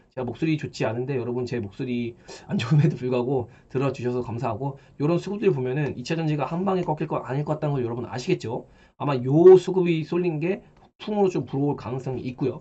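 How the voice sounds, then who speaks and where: Talking at a very fast pace, a man with a fairly high pitch and a dark, mellow, somewhat breathy tone uses ordinary pitch variation. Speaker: stock market youtuber. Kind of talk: market commentary video.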